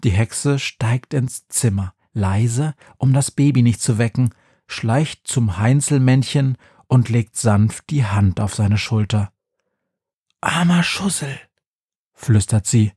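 A man reads a children's bedtime story in a calm, measured tone. His voice is a little husky and unhurried, recorded dry and close. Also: medium pitch, no room sound. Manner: calm, slow, measured reading. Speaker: narrator.

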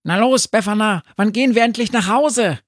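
Man doing a yappy excited talking dog. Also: high-pitched, no echo, studio quality, pitched above the performer's own voice. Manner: breathless, rushed.

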